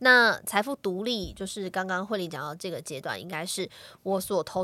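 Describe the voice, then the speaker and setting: Her voice is medium in pitch with a bright, sharp tone and lively intonation as this woman speaks. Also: very clean recording, silent background. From Taiwan, Miaoli (Hakka). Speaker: financial planner. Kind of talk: casual interview.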